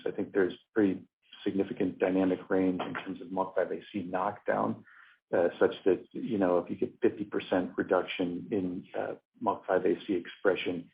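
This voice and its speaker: A man's voice: sits low, creaky. A man giving a technical answer as a company scientist on an earnings call, hesitant and careful, over a narrow phone line.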